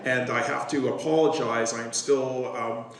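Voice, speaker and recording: A man's voice: mid-range voice, steady tone, a little slow, a little hiss or hum. A man, a city councillor, giving formal remarks at a ceremony, his voice strained from a recent illness and hesitant with fillers. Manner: hesitant with many fillers when speaking off the cuff. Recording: roomy hall, distant microphone, faint ambience.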